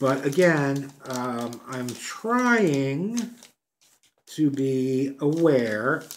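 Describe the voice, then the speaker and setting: A man mumbles his words. His pitch sits in the medium range. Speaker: crafting video creator. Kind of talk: tutorial. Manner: soft-spoken; mumbling.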